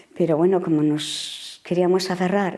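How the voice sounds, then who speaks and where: Speaking at a fairly slow pace, a woman with a fairly low pitch and a dark, mellow tone uses ordinary pitch variation. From Madrid region, Spain. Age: 60s. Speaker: retired widow giving faith testimony. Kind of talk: testimony.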